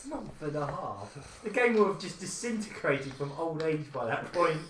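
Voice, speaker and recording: A man's voice: a little high, big pitch swings, moderate pace, a bit bright, slight background noise. A man co-hosting a gaming podcast, making dry asides and giggling in casual chat. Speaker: podcast co-host. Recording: roomy home podcast recording.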